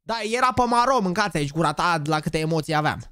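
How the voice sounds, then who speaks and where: A man in his twenties, live streaming and chatting, hyper and joking, bursting into shouted catchphrases. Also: a little high, lively intonation, clean tone, dry recording, studio quality. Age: 20s. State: over-excited. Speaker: gaming streamer.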